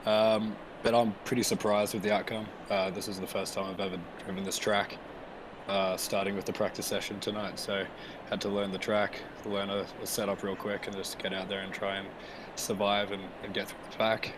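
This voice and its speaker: Hoarse male driver, low flat voice, modest, clear noise behind. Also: moderate pace. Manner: modest, apologetic. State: hoarse, recovering from a virus. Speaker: racing driver being interviewed.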